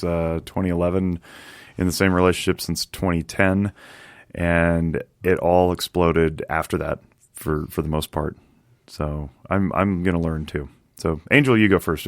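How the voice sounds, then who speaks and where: A man's voice: sits low, no room sound, studio quality. A man hosting a podcast interview, chatty and rambling, laughing easily as he talks. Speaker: podcast host. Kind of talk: casual interview chat.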